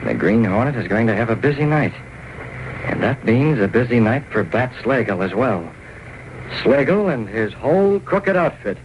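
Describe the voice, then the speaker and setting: Masked crime fighter, calm, crisp orders, loud hiss from old radio. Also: male voice, medium pitch, moderate pace, highs cut off. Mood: commanding. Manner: crisp, commanding. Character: masked male crime-fighter, cool and commanding. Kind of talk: 1930s radio acting.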